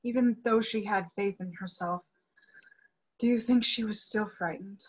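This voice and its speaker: A woman's voice: mid-range voice, normal speed, breathy edge, lightly acted, low-quality recording. A young woman acting a frightened, secretive opera singer in an emotional staged reading. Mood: earnest. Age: young adult. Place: room at home. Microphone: computer mic on video call.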